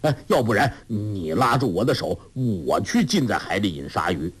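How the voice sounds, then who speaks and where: A man's voice: on the low side, big pitch swings, moderate pace, slightly rough. A man voicing a childish, mischievous old man who talks with lots of little grunts and giggles. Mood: playful. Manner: giggly, full of interjections.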